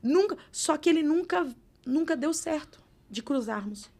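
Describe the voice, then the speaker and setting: A woman pastor with a Brazilian accent, telling her testimony in a podcast interview with expressive, dramatic storytelling. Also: high-pitched, moderate pace. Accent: Brazilian Portuguese. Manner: expressive, dramatic storytelling with vivid reenacted dialogue. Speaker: pastor, guest.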